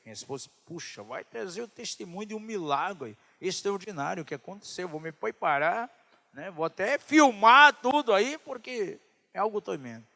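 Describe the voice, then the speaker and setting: A man with a Brazilian Portuguese accent preaching a sermon, telling a story in a voice that swings between loud exhortation and hushed asides. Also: high voice, expressive, normal speed, creaky. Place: church conference.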